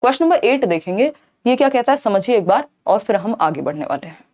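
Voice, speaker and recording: A fairly high-pitched woman teaches a live online class for a teaching exam. She explains each answer in a lively way, mixing in English terms, and keeps checking in with her viewers. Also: quick pace. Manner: mixes Hindi with English terms.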